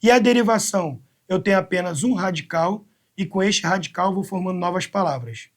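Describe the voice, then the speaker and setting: A male Brazilian Portuguese teacher giving a live exam-prep lesson, explaining step by step and counting syllables out slowly. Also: sits high.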